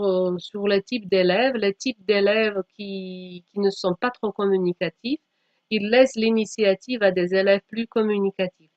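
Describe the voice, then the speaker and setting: A woman from Slovakia, a non-native speaker whose first language is Slovak, giving an academic presentation in a halting way with frequent self-corrections. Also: medium pitch, no echo. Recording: dull lo-fi microphone sound.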